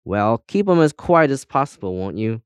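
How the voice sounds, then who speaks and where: A man's voice: mid-range voice, sing-song, normal speed, smooth, dry recording, studio quality, lightly acted. A man voicing a chatty, cheerful female compass in a children's audiobook, with breezy, boastful colloquial talk. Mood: brisk, warning.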